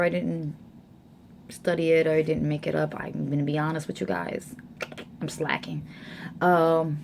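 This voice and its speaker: A young adult woman from the United States, chatting casually to camera and reading out her results slowly, with many fillers. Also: deep voice, vocal fry, darkish tone, slight background noise. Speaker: vlogger.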